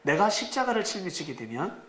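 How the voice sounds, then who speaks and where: A male pastor preaching a sermon with dramatic rises, sudden shouts and rhetorical questions to the congregation. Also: sits high, sing-song, a little fast, slight background noise. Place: church sanctuary. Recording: echoey church room, faint ambience.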